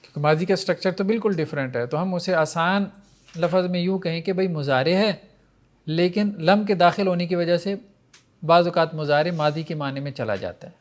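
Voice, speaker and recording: A man with a high, light voice teaches grammar to a class. He explains points patiently and chants through verb conjugations one form after another. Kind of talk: classroom lecture.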